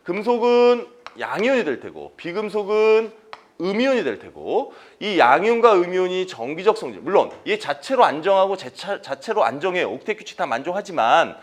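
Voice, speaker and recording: A man's voice: high voice, big pitch swings, a little fast. A man giving an exam-prep chemistry lecture, asking students questions and answering them himself, repeating key terms.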